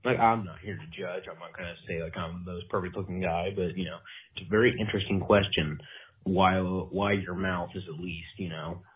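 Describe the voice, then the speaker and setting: A man's voice: sits low, fairly even intonation, fairly quick. A man leaving a voicemail for a talk show, asking a mocking question in a rambling, mock-polite way, with many fillers. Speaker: voicemail caller. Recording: tinny phone voicemail.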